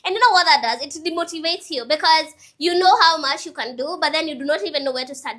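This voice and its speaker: A woman's voice: high voice, bright, forceful tone. A woman in her twenties giving earnest, chatty motivational advice straight to her viewers, repeating her points with casual asides. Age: 20s. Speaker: motivational vlogger. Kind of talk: casual motivational talk to camera.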